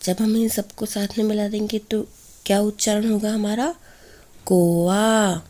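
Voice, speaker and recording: A woman primary teacher giving a children's Hindi lesson, sounding out each syllable slowly and asking the class to repeat after her. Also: mid-range voice, flat delivery, warm tone.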